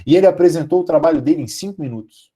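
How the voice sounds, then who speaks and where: A man's voice: on the high side, very fast, warm tone, breathy edge. A Brazilian man, a law professor, giving a live online lecture to his students, emphatic and full of rhetorical questions. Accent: Brazilian Portuguese.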